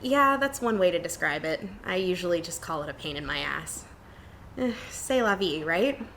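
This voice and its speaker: Woman playing a low-pitched, wry cryptid empath. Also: expressive, normal speed, gravelly, pushed and bright, slight background noise, exaggerated voice. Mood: resigned, teasing. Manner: dry, teasing, casual. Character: wry, frank gray-skinned female cryptid empath. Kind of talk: audio drama dialogue.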